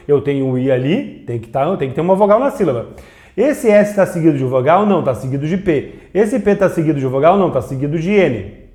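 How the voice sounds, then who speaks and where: Male grammar teacher, slightly high voice, animated delivery, walks students through rules by asking and answering himself. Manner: explains step by step, asks and answers his own questions; stretches out syllables to demonstrate. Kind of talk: video grammar lesson.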